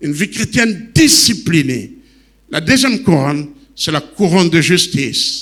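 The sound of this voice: Speaking slowly, a man uses a fairly high pitch with big pitch swings and a fairly bright tone.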